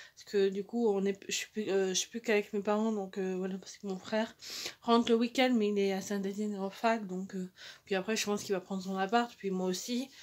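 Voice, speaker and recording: A woman speaks at medium pitch. Her intonation stays monotone and flat. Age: 20s. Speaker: YouTuber. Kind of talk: room tour vlog. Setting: at home, in her bedroom. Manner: hesitant, many fillers.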